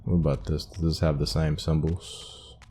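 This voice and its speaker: A man's voice: extremely low pitch, level tone, moderate pace, dark tone, slight background noise. A man giving casual, informal playthrough commentary as a gaming video host, thinking aloud as he goes.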